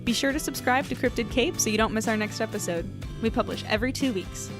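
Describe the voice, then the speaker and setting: A woman's voice: fairly high pitch, quick pace, over music. A woman, the show's creator, reading scripted podcast credits. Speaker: show creator and cast member reading credits.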